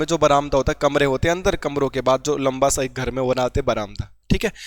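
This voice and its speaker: A man speaks with a Garhwal accent. The sound is dry and close, with no echo. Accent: Garhwali-accented Hindi. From Garhwal, Uttarakhand. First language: Garhwali (speaking Hindi). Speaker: exam-prep teacher. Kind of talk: online class lecture. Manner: conversational, with fillers.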